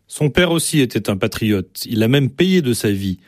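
A male radio host reading scripted narration with a measured, even delivery. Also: medium pitch, no echo, clean studio sound. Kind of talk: scripted narration introducing the interview.

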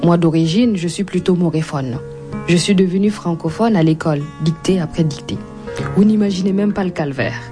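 A woman's voice: lowish voice, a little fast, music in the background. A woman from Burkina Faso with a Burkinabé accent, a Mooré speaker, guest author and comedian reading and talking in an interview.

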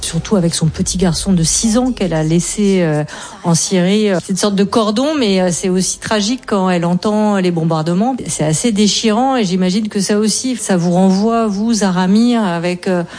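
A woman's voice: medium pitch, normal speed, a little mellow. A woman interviewing a guest on the radio, asking questions with many hesitations.

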